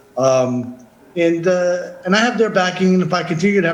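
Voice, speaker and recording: Through noticeable background noise and audible room echo, a man speaks at a fairly quick pace in a high pitch with lively intonation. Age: 70s. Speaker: political candidate. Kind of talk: interview. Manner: halting.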